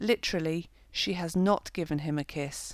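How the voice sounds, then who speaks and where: A woman speaks in a plain, everyday voice with a fairly low pitch and ordinary pitch variation. Her pace is fairly slow. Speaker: language teacher podcaster. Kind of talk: tutorial. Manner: scripted, clear delivery.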